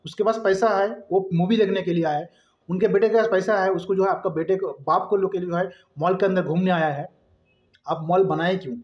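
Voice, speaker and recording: Male vlogger, thirties, high-pitched voice, casual and repetitive delivery, recorded on a phone in a roomy space. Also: steady tone, a little fast, muffled recording. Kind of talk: casual opinion vlog to camera. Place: small room indoors. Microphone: phone at arm's length.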